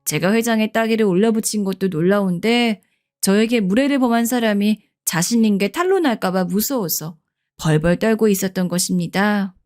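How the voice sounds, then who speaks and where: A woman reading a first-person radio story in a steady scripted narration, over faint background music. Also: mid-range voice, normal speed.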